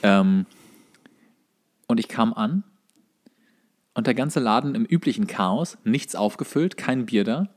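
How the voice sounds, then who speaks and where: A man's voice: mid-range voice, animated, slow, pauses often. Young man swapping casual stories. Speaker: podcast co-host. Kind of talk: casual anecdote-telling chat.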